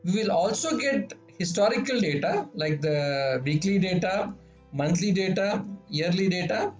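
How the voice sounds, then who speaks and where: A man's voice: high voice, animated, unhurried, echoey room, dull audio, faint music behind. A man, a solar engineer, steadily explaining a monitoring app in a voice-over.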